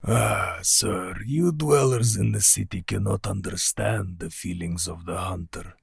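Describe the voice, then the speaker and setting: Slow, grinding, formal old vampire count in a radio play, man plays it, deep-set and rasping. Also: no room sound, studio quality, exaggerated voice. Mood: proud. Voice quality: gravelly, husky, slow and deliberate. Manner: formal, old-fashioned, boastful speech. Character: ancient courtly male vampire count, proud and menacing.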